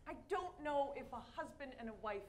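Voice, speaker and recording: A woman's voice: high voice, lively intonation, very noisy. A woman performing an improvised comedy scene on stage, playful and giggly, thinking on her feet. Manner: playful, giggly, quick-witted. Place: small theater stage.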